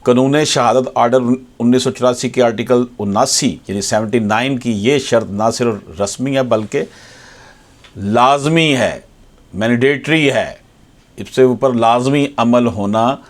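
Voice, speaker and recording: A man with a Pakistani accent explains law to viewers like an advocate, formally, repeating key points and switching into slowly read English. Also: medium pitch. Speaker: advocate presenting legal explainers. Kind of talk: explanatory legal lecture to viewers.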